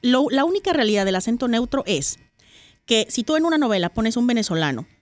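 A woman actress with a Mexican accent, talking as a guest in a casual interview, expressive and often restarting her sentences. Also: a little high, a little fast, no room sound. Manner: animated and expressive, with frequent restarts.

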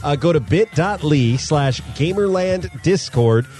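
A man's voice: a little high, expressive, measured pace, warm tone. Jokey man with faint music behind. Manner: jokey, self-deprecating. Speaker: podcast host. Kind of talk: casual banter.

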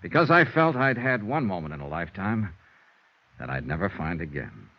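Very low, steady private investigator narrating; expressive, old-broadcast sound. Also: male voice, moderate pace, full character voice. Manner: steady, reassuring, hushed when comforting. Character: tough but tender male private investigator. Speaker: narrator and lead. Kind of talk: 1950s radio drama narration. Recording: dull old radio broadcast, faint hiss.

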